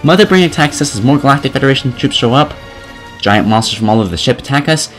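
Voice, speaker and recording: A man's voice: medium pitch, lively intonation, fast, fairly bright tone. A man reading scripted video game review commentary in a sarcastic, exasperated manner. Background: music.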